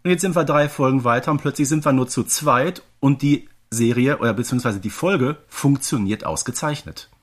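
A man's voice: medium pitch, normal speed, few pauses. A man co-hosting a podcast, chatting casually and analytically. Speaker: podcast co-host.

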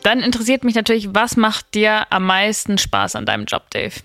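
A woman's voice: mid-range voice, very animated, brisk, a bit bright, no room sound, soft background music. A woman hosting a podcast, asking questions in an upbeat, chatty way. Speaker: podcast host. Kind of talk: podcast interview.

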